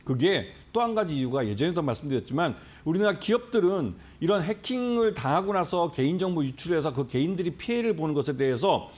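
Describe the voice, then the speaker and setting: A man appearing as a stock market analyst guest, explaining at length in an earnest, steady way. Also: fairly high pitch, fairly quick, few pauses. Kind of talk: explanatory commentary.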